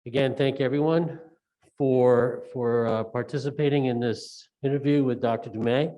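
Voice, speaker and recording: Mellow-voiced man hosting a school event. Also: mid-range voice, poor audio. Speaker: school staff host. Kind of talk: introducing an event.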